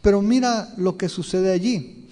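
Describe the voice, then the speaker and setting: A man preaches a verse-by-verse Bible sermon in a somewhat high, mellow voice. He keeps turning to his listeners with questions and tells the scenes vividly. His voice rings with the long reverb of a large church hall. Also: measured pace. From Mexico. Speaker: pastor.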